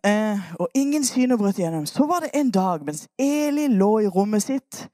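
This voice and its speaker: Animated woman preacher retelling a Bible story. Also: mid-range voice, no echo, clean studio sound. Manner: animated storytelling, coaxing listeners to act parts. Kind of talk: lively sermon, Bible story retold with volunteers.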